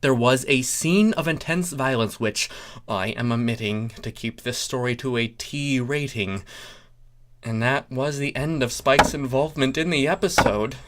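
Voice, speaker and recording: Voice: medium pitch, measured pace, a bit bright, slight background noise. A reader narrating a comic fan story in a dramatic storytelling style.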